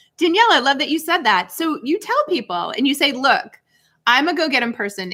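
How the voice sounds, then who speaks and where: With an American accent, a woman speaks in a raised, projected voice at a fairly quick pace, her energetic, bright, sharp tone sweeping through very wide pitch swings. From US North. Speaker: career coach. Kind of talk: live Q&A stream. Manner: fast.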